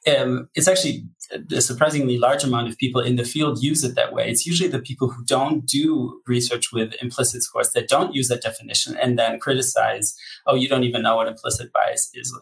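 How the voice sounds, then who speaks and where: A man's voice: mid-range voice, fairly even intonation, brisk, creaky, poor audio. A man being interviewed as a psychology researcher, answering candidly with frequent ums and restarts.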